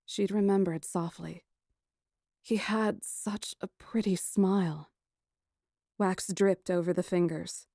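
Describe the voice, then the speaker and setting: A woman's voice: fairly low pitch, takes it slowly, long pauses, dry recording. Woman narrating fantasy fiction, dry close sound. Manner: dramatic, expressive storytelling. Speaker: audiobook narrator. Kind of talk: expressive first-person scripted fantasy narration.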